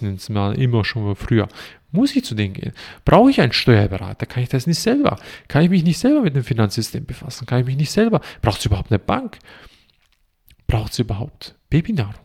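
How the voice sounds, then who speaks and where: A man's voice: medium pitch, gravelly, a little mellow. A man speaking a monologue to camera as a self-help speaker. He preaches and fires off long strings of rhetorical questions.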